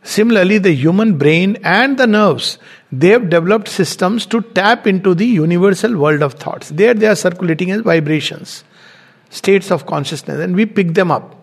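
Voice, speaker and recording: Man, high-pitched, spiritual lecture, methodical and explanatory. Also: lively intonation, normal speed. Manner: explanatory, builds points step by step. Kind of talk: spiritual teaching talk.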